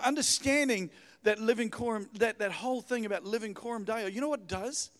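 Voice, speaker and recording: High-pitched preacher man, echoing hall. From New Zealand. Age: middle-aged. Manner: informal, exhortatory, repeats phrases for emphasis. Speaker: guest pastor. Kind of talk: sermon to a congregation. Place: church hall, speaking to congregation. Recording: reverberant hall sound.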